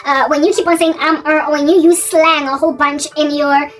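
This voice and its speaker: A woman's voice: high-pitched, fairly even intonation, brisk. A South African woman in her forties, talking through a casual, rambling monologue, often correcting and repeating herself. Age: 40s. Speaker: faith vlogger. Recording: distant mic with background music.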